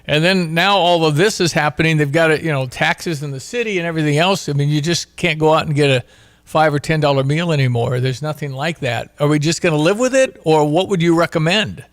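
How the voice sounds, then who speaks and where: High-pitched male morning radio host. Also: brisk, dry recording. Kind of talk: morning talk radio chat.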